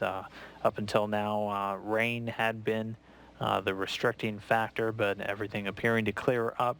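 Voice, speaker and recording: An American man giving live launch commentary in a measured, matter-of-fact way. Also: on the low side, fairly bright tone, slight background noise.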